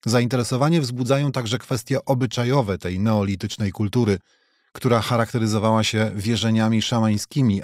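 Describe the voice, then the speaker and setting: A man narrates a history audiobook with a measured, steady delivery. His voice sits fairly low, and the close studio recording is dry, with no room sound. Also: dry recording. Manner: measured, even reading. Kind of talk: scripted nonfiction narration. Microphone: close studio mic.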